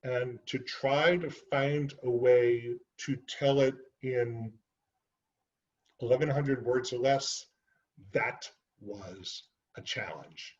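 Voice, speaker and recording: A man's voice: mid-range voice, slow pace, dull audio. A man giving an author talk, speaking earnestly and unhurriedly about his book, with frequent ums and uhs. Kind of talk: library author presentation.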